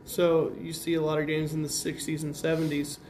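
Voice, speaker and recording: A man with an American accent and a slightly high voice talks as a basketball coach being interviewed. His wording is plain and casual as he analyzes play. There is some noise in the recording. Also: completely flat delivery, fairly quick, darkish tone, poor audio. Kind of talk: interview answers, game analysis.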